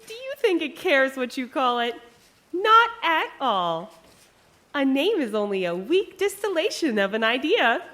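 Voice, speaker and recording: A woman's voice: high-pitched, sing-song, a little slow, a bit bright, full character voice. A woman playing a sly cult acolyte in an audio drama, theatrical and condescending with a mock-sweet manner. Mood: smug, taunting. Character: sly, syrupy female cult acolyte, falsely devoted.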